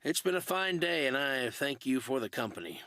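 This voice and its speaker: Gruff old fisherman, taciturn and patient, game role; forceful tone, dry close recording. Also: mid-range voice, animated, moderate pace, dry recording. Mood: wistful, weary. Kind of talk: video game voice acting.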